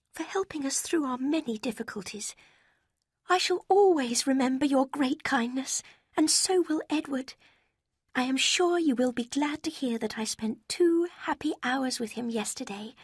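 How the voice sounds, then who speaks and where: A woman voicing a sugary, scheming young woman who reads her own letter in a sweet, gushing, breathy way. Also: high voice, no room sound, studio quality, voice pushed up.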